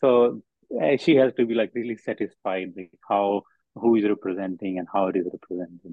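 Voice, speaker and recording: A man with an Indian accent speaks at a fairly quick pace and fairly low pitch, with ordinary pitch variation. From India, Haryana (Kaithal). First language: Hindi. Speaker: professor and film actor. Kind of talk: interview.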